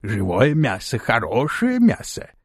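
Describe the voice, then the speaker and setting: A man voicing a gloating, pregnant female swamp creature in an audiobook, with a slow, oddly pleased drawl. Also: mid-range voice, wildly swooping pitch, slightly rough, no room sound, clean studio sound, heavily acted.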